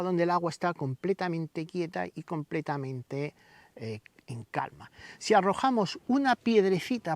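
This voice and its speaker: A man's voice: high voice, dry recording. A man giving a didactic explainer as a channel host, stressing the openings of his phrases. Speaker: radio hobby channel host. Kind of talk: explainer to camera, semi-scripted tutorial.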